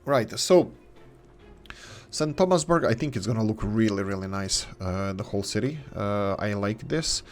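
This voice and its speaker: A man with a fairly low voice gives a relaxed, rambling commentary while building a city in a strategy game. English is not his first language, and he often corrects himself mid-sentence. Faint background music plays under his talk. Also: normal speed. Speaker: gaming channel host. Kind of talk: casual let's-play commentary.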